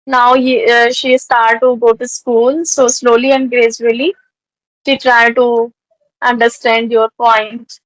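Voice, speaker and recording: A woman's voice: a little high, flat delivery, slow pace, no echo, rough recording. A woman with an Indian accent from North India, chatting in conversation practice, hesitant with frequent fillers. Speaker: tutor practicing English conversation.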